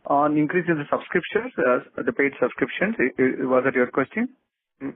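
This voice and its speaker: Indian guy exec on a conference call, raspy creaky voice, keeps restarting, thin phone sound. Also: mid-range voice, expressive, no echo. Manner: halting, repetitive, hedging with restarts. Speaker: company executive answering questions. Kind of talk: unscripted earnings call answers. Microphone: telephone conference call. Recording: narrow muffled phone conference line.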